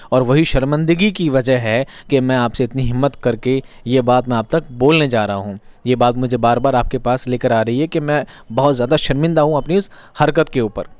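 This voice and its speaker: Brief: a man doing a nervous, over-apologetic clerk, mid-pitched, for a story lesson. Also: darkish tone, no echo, natural voice. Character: timid apologetic male office clerk.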